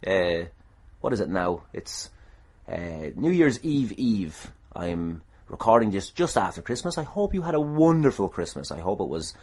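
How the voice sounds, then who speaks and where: Deep-voiced Irish man, casual podcaster. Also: big pitch swings, moderate pace, a little mellow. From Ireland. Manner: self-deprecating, irreverent, mildly sweary. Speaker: podcast host and wrestler. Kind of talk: casual solo podcast monologue.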